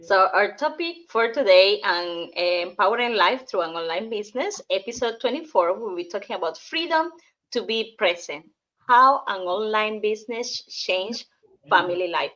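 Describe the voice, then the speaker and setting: A woman from Cuba co-hosting a podcast, talking in a friendly, slightly halting way. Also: mid-range voice, lively intonation, fairly bright tone, highs cut off. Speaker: nurse and podcast co-host. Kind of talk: casual podcast talk.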